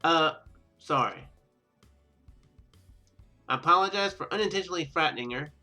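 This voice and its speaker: A man's voice: on the high side, lively intonation, moderate pace, sharp tone, faint music behind. A man voicing an earnest, apologetic and very grateful young male tourist in a visual novel.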